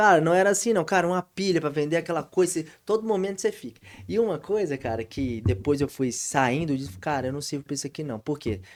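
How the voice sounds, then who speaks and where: In a very clean recording with a silent background, a man with a fairly high pitch speaks very fast, his pitch swinging very widely and hardly any pauses between words. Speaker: podcast host. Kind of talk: casual chat. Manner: animated.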